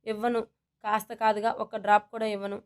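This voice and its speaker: In a storybook reading, a woman plays a loyal, hot-tempered male assistant, scolding with indignation. The voice is crisp and smooth, with little rise and fall. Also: sits high, completely flat delivery, brisk, natural voice. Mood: indignant.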